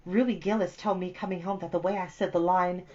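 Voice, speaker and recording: An effusive, dramatic young storybook schoolgirl, acted out by a woman, pitched well above the reader's natural voice. She gushes breathlessly and theatrically. The audio is slightly dull. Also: fairly even intonation, brisk, darkish tone, lightly acted. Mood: dramatic, excited. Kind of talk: storybook character reading.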